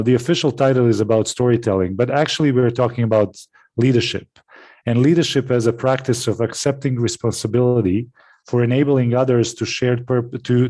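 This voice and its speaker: A man from Serbia, giving a presentation over a video call, full of pauses, fillers and restarts. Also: medium pitch, dark tone. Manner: hesitant, many fillers and restarts. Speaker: webinar presenter. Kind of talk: online presentation. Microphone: video call with headset.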